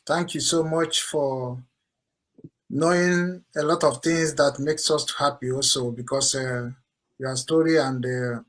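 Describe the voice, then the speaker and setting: A male host moderating an online call, polite and repeating his thanks. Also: medium pitch.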